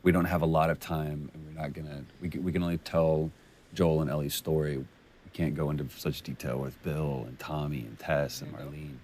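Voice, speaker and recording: A man's voice: very deep voice, level tone, fairly quick, a little mellow, slight background noise. A man doing developer commentary who talks with enthusiasm and admiration about the scenes. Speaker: game creator in commentary.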